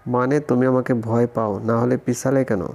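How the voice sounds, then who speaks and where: A man reading the lines of a teasing, arrogant young hero in a romance audio story, slow and flat in a gravelly voice. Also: medium pitch.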